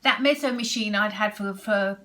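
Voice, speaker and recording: British woman, 60s, sewing vlogger; chatty, rambling, mid-pitched, casual to camera. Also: normal speed, pushed and bright. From Britain. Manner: chatty, rambling, with restarts and asides.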